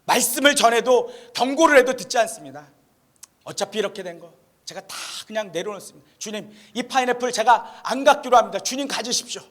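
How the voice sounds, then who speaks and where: A stern, rational missionary who is worn down by frustration, spoken in a fairly high man's voice as a pastor quotes him. His delivery stays close to ordinary speech. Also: animated, fairly quick, a bit bright. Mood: pleading. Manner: stern, then weary and pleading in prayer. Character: frustrated Western male missionary, rational and individualistic.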